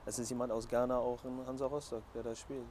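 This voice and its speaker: A man's voice: mid-range voice, little pitch movement, fast talker, a little mellow. A man in his twenties from Hamburg, a footballer answering interview questions in a casual way. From Hamburg, Germany. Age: 20s. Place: open-air terrace by a training pitch. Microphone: lapel mic. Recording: outdoor recording with clear background noise.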